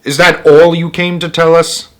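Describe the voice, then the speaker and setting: Man doing a brash, snappish housewife, pitched up. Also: little pitch movement, moderate pace, fairly bright tone, close to an everyday voice. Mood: ratty, snappish. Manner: snappish, scornful, smug. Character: Mrs. Wormwood, brash, vain, smug middle-aged housewife. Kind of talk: storybook read-aloud character voice.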